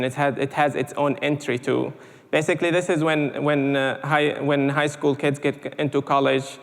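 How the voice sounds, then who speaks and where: Man from syria, gravelly, flat delivery, halting, lecture hall reverb. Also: medium pitch. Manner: halting with many "uh"s and repeated words. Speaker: panel speaker. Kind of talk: conference talk.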